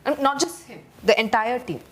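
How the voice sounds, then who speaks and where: A woman's voice: fairly high pitch, expressive, fast. A woman actor answering interview questions in a casual, thoughtful way. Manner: thoughtful, laughs easily. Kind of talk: casual chat.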